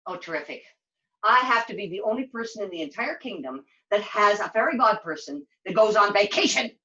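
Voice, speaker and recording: A woman's voice: medium pitch, expressive, brisk, sharp tone, highs cut off. A woman voicing a dramatic, whiny, naive young servant girl in a puppet show, flustered and repeating herself. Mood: frustrated. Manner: melodramatic, repetitive, flustered.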